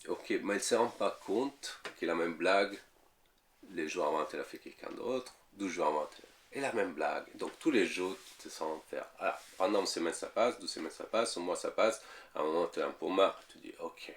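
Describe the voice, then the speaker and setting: A man's voice: low voice, fairly quick, slight background noise. A man in his thirties from Italy, speaking French with an Italian accent, answering interview questions hesitantly with many fillers and repeated words. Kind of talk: casual interview talk.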